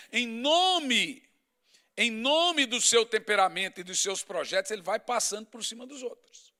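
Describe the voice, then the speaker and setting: Bright high-voiced pastor preaching. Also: male voice. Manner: conversational, emphatic preaching with lists and asides. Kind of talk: sermon.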